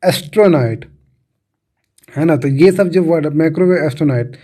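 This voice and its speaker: A man's voice: fairly high pitch, normal speed, dark tone. A man, explaining English grammar to students, often repeating himself and asking questions. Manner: repeats and restarts words, asks the class questions. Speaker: English teacher.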